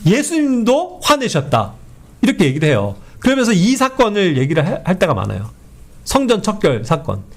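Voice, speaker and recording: A man teaching a Bible study in an animated way, who keeps asking his listeners to agree and acts out quoted speech. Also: high-pitched, normal speed. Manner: animated, often asks the group for agreement.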